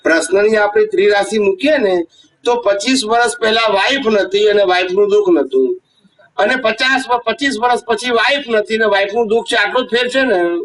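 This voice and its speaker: A man with a high voice delivers a devotional talk to a gathering. He tells stories and keeps asking his listeners whether they have understood. His voice is picked up from some distance away from the microphone. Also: moderate pace, a bit bright. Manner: storytelling with rhetorical questions. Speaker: spiritual teacher.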